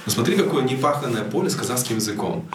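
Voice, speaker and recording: A man's voice: mid-range voice, animated, fast talker, distant mic, background noise. A man from Kazakhstan talking thoughtfully as a podcast guest, hesitating and restarting often. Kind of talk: casual chat. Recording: roomy, from off mic.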